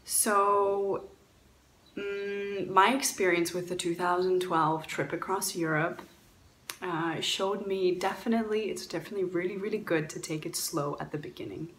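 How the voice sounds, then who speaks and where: A woman's voice: lowish voice, steady tone, moderate pace, a bit bright, a little hiss or hum. Woman sharing bike travel advice, earnest, lots of ums and restarts, echoey room. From Poland, raised in Canada. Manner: earnest, frequent fillers and restarts. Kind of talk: recorded talk answering questions.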